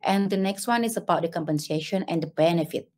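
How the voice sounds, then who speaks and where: A young woman presents to an online conference from a small room, her voice sitting slightly low. She moves through her points haltingly, repeating words and restarting phrases as she goes. The sound comes through a plain webcam mic. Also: a little mellow. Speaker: conference speaker, HR manager. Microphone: webcam on a video call.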